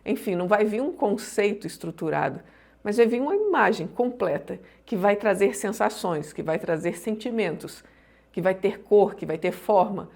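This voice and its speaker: A woman's voice: mid-range voice, expressive, normal speed, vocal fry, a little mellow. A woman teaching an online course on public speaking, explaining points emphatically and often checking that listeners follow.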